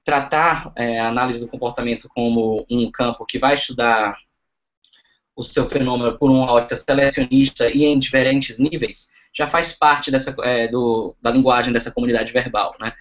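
A young man giving an online lecture over slides, talking haltingly with many fillers and restarts, recorded over a video call. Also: mid-range voice, steady tone, a bit bright, dull audio.

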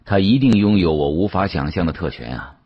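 Man playing a husky, sharp young antique dealer. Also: low voice, expressive, dry recording, lo-fi sound. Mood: confident, explaining. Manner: deferential, explanatory, quick-witted.

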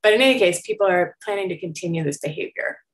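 A woman's voice: on the low side, fast talker. A middle-aged woman researcher explaining survey results in an informal, conversational slide presentation over a video call. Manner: conversational, explanatory, with frequent hedging and rising check-ins. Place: indoor room, on a video call.

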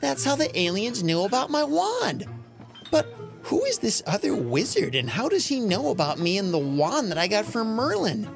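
Woman doing a high, eager young boy. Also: wildly swooping pitch, normal speed, gravelly, soft background music. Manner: eager, bewildered.

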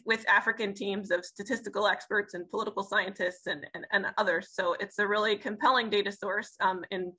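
A woman's voice: mid-range voice, bright, forceful tone, slightly rough, rough recording. A woman in her thirties moderating a panel discussion on a video call, articulate but with frequent "um"s and repeated words. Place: indoors, in front of a branded backdrop. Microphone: video call webcam.

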